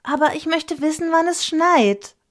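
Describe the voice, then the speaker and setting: A woman voicing an impatient, excited young girl in a storybook reading, pleading in high outbursts. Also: a little slow.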